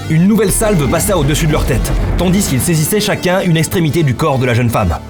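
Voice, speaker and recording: Higher-pitched male story narrator over music. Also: animated, quick pace. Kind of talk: dramatic scripted story narration. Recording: music behind the voice.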